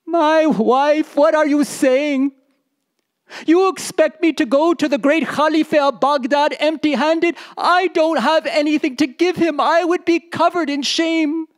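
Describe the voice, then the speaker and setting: A woman's voice: sits high, unhurried, voice pushed up. A woman storyteller voicing a proud but worried poor desert nomad husband, speaking emphatically. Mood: indignant.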